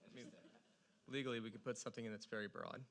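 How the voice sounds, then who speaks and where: Male attorney, bright forceful edge, rapid even delivery, advising a meeting. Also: medium pitch, a little hiss or hum. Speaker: city attorney.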